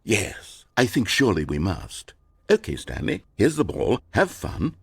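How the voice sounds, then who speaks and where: A man's voice: lowish voice, wildly swooping pitch, unhurried, vocal fry, breathy edge, no room sound, clean studio sound, heavily acted. A synthetic male voice playing a smug, dramatic game narrator, pompous and sardonic. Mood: chipper. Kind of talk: theatrical narration.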